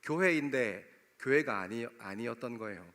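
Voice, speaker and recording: Long hall reverb fills this church sanctuary recording of a young male pastor, who uses a regional Korean dialect and preaches in a chatty style to a youth congregation. He speaks in a mid-range voice, animated and fairly bright, at a moderate pace.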